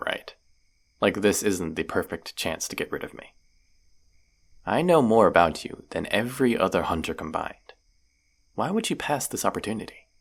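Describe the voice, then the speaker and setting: Casting: male actor as stubborn wounded monster hunter, deep creaky voice, sarcastic and teasing, roleplay audio drama. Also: heavily acted. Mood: skeptical. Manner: sarcastic, grumbling banter.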